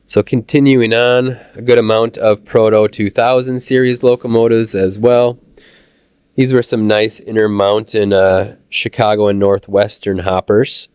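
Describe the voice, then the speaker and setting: Midwest guy narrating train show stuff, kinda low voice, lots of uh's, getting over a cold, dry close mic. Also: clear, resonant tone, no echo. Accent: Midwestern American. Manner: relaxed, halting with many "uh" fillers. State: recovering from a cold. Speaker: channel host touring a train show. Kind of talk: casual walkthrough narration.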